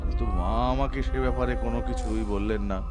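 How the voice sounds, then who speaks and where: A man's voice: medium pitch, steady tone, quick pace, natural voice. A man voicing a pompous, greedy, scheming Brahmin pandit in a cartoon, theatrical and wheedling as he declaims. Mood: grave, dramatic. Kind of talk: cartoon voice acting. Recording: music behind the voice.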